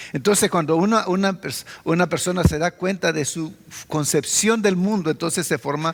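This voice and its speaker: A man with a high voice speaks at a fairly slow pace using lively intonation. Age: 60s. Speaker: pastor. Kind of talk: bible study lecture. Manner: halting, many restarts.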